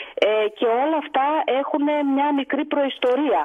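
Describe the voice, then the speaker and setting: A woman's high-pitched voice at a very slow pace. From Greece, Thessaly (Trikala). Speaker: author and archaeologist. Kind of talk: interview.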